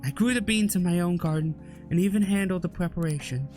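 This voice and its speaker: A man's voice: sits high, quick pace, darkish tone, soft background music, close to an everyday voice. A man voicing a polite, grieving young heiress in a formal, hesitant way.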